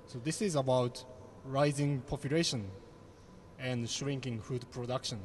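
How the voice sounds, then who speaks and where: A young man, moderating a panel with measured questions. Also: medium pitch, fairly even intonation, slight background noise. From Japan.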